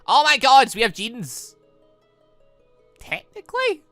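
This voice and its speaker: A naive young huntress played by a man blurts out lines in a visual novel, excitable and impatient. The voice jumps high and swoops, bright and dry. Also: takes it slowly, vocal fry, no room sound, faint music behind, heavily acted. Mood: amazed. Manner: blurting, exclaiming.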